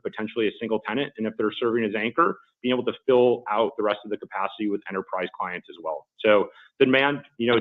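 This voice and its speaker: Man, company executive, lowish pitch, businesslike, fielding investor questions, thin phone-line audio. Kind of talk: earnings call answers. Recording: muffled phone-like conference line.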